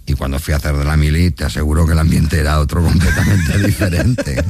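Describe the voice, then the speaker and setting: Middle-aged male guest from Catalonia, booming bass, plain-spoken swearer, dead-dry studio sound. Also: fairly even intonation, fast talker, a little mellow, slightly rough, dry recording. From Catalonia, Spain. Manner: blunt, swears freely, tells anecdotes with laughs. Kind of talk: casual chat.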